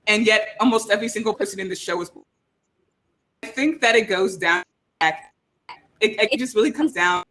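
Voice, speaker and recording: A woman answering casually as a panelist, in a thoughtful, halting way. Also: medium pitch, a bit bright. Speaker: panelist, audio drama creator.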